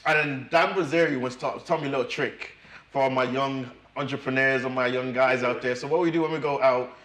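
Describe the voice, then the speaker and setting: A man's voice: medium pitch, steady tone, fairly quick, fairly bright tone. A young man from Ireland, a guest trader chatting casually, laughing often and repeating his phrases. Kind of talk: casual chat. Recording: echoey room.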